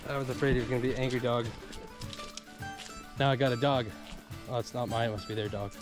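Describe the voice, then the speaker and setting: A man narrating his own jungle hike for a travel vlog, chatty and full of dry jokes as he talks to himself. His voice sits at an ordinary middle pitch. It is picked up outdoors on a handheld camera with faint music under it. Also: steady tone, fast talker. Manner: joking, chatty, talks to himself while hiking. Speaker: travel vlogger. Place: outdoors in rainforest on a hiking trail.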